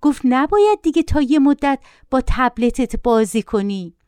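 A woman voicing an aunt who gently reasons with her nephew. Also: high voice, lively intonation, clear, resonant tone, dry recording, studio quality. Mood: coaxing.

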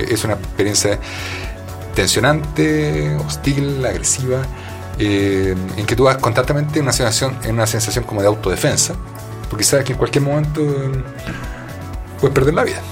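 A man with a Chilean accent, a guest in a casual conversation, who talks hesitantly with many fillers and restarts. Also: medium pitch.

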